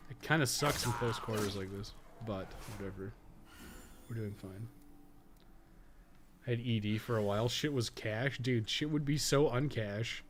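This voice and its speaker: A man giving casual, rambling gameplay commentary with plenty of swearing and crude joking. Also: medium pitch. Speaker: podcast co-host streaming a video game. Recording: clearly noisy background.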